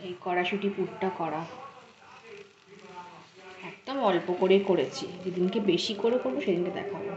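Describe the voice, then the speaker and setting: A woman chatting casually to viewers in a home vlog, sometimes whispering softly so she won't wake anyone. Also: fairly low pitch, moderate pace, long pauses, muffled recording, crowd noise. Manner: chatty, talks straight to viewers. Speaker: vlogger.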